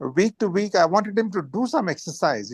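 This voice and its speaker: Someone with a Telugu accent speaks over a quiet background, in a dry, close sound with no echo. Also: man. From Andhra Pradesh, India. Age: 60s. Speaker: volunteer mentor, retired executive. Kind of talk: casual chat. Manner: halting.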